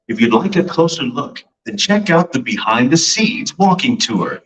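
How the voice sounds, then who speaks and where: Polished male announcer, upbeat and lively in pitch, played through a distant outdoor ride loudspeaker. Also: moderate pace. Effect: recorded narration played over an outdoor boat-ride loudspeaker. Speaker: ride narrator. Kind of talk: scripted narration. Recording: muffled, distant loudspeaker heard from a boat.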